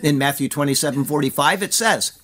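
A man preaching a verse-by-verse Bible sermon, reading scripture quotes with measured emphasis. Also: a little high, fairly bright tone.

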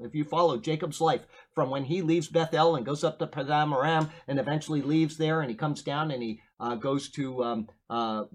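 An older man preaching a sermon in a conversational, rambling way, often checking in with "okay?" and "right?". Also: fairly high pitch. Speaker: pastor.

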